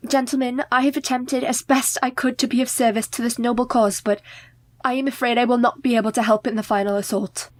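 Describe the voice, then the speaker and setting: A woman's voice: a little high, level tone, brisk, natural voice. A woman playing a haunted, composed young wife. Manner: formal, composed and thoughtful. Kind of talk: community radio play acting.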